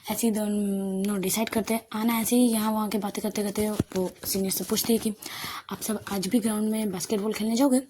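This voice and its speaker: A woman's voice: mid-range voice, steady tone, brisk, background noise. Young woman telling an audio story. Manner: casual, conversational, drops to a whisper at times. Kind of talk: narrating an audio love story.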